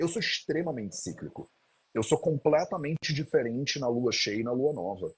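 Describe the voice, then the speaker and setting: In an animated tone, a man with a fairly high pitch and vocal fry speaks with lively intonation. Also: moderate pace. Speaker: Ayurveda practitioner. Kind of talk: live-stream interview. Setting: live online stream. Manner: conversational, animated.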